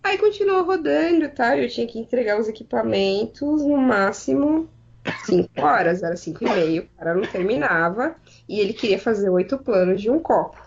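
Animated woman telling a story. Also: a little high, moderate pace, vocal fry, highs cut off, slight background noise. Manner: animated, acts out dialogue. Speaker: storyteller in a chat. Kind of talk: casual storytelling.

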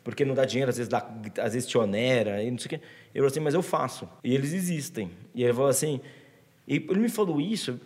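A man's voice: medium pitch, quick pace, darkish tone, in a large hall. A man with a Brazilian accent, telling a long story in loose, slangy chat with many restarts. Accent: Brazilian Portuguese. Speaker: guest author. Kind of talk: casual chat.

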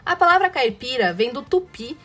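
A woman with a strong caipira accent talks through her podcast in a high, bright-pitched voice. She teases her listeners with rhetorical questions and dry, sarcastic asides. Faint music plays quietly underneath. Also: sing-song, normal speed. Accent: Brazilian caipira, rolled-back R. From interior of São Paulo state, Brazil. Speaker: podcast host. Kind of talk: casual educational podcast monologue.

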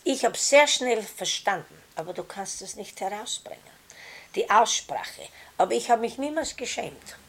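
A woman's voice: medium pitch, lively intonation, moderate pace. An older woman recalling things casually in plain short sentences. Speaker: emigrant interviewee. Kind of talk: casual spoken recollection.

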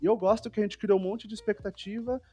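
A man's voice: high voice, fairly even intonation, fast talker, warm tone, husky. A Brazilian man in a casual podcast discussion, giving his opinions informally. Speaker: podcast co-host. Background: background music.

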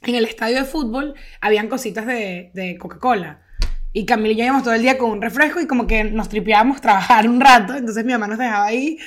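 A woman's voice: a little high, fast talker. Venezuelan woman telling slangy stories. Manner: animated storytelling, slangy, laughs often. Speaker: podcast co-host. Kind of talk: casual chat.

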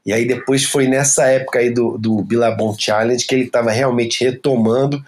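A Brazilian man with a Brazilian Portuguese accent, telling a story as an interview guest in a casual, profane and animated way. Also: medium pitch, moderate pace.

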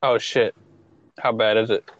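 A man's voice: fairly low pitch, level tone, a little slow, highs cut off. A man co-hosting a podcast in loose, swearing banter, speaking over a phone whose call audio breaks up and glitches. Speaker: podcast co-host. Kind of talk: casual chat.

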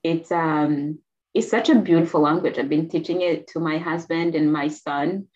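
Rwandan woman, low voice, quick storytelling. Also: dull audio. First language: Kinyarwanda. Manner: quick, earnest storytelling with soft laughs. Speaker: guest. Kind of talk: personal testimony interview.

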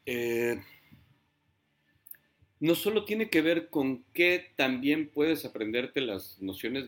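A man, a writer on a panel, speaking in a reflective, halting way, often repeating words and clearing his throat. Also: on the low side.

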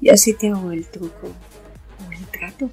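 Woman acting a husky, seductive vampire lady. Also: on the low side, fairly even intonation, unhurried, dark tone, soft background music, full character voice. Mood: seductive, menacing. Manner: coquettish, purring. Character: seductive hungry female vampire, teasing and predatory. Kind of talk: audio fiction acting.

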